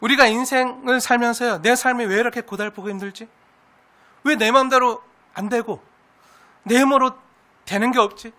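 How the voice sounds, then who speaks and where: A male pastor delivering a sermon in a high voice that sits well above most men's. His tone is bright and forceful, and he preaches earnestly, leaning on heartfelt rhetorical questions. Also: fairly even intonation, normal speed, pauses often.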